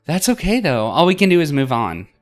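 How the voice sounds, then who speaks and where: Man voicing a perky, higher-pitched young woman. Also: sing-song, brisk, faint music behind. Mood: perky, eager. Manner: perky, casual. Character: upbeat, eager young woman travel companion.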